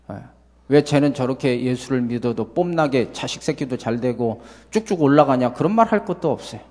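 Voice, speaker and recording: Lively preaching pastor, man. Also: sits high, in a large hall. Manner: lively preaching, rhetorical questions to the congregation. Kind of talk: sermon. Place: church sanctuary.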